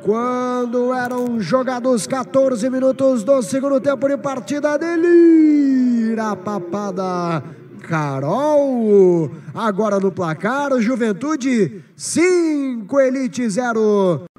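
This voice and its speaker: High-pitched man yelling long goal calls. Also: lively intonation. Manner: long drawn-out goal yells, high and shouted. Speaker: football play-by-play commentator. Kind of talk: excited live football goal commentary. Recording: distant broadcast sound with clear noise.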